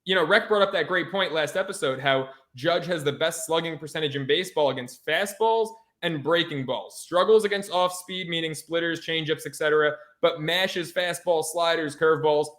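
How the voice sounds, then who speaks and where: A man's voice: a little high, moderate pace, hardly any pauses, fairly bright tone. A man co-hosting a sports podcast in a casual chat, brash and emphatic, swearing freely. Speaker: podcast co-host.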